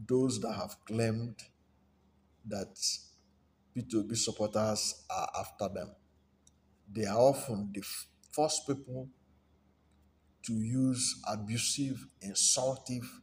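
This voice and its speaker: A man with a Nigerian accent giving unscripted political commentary in a halting, deliberate manner, often rephrasing himself. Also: lowish voice. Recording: steady background noise, room ambience.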